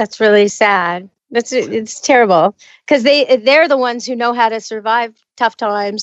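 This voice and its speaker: A woman talks at a moderate pace in an ordinary speaking voice. Her pitch is fairly high, with ordinary pitch variation. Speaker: pet radio show host. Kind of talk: interview.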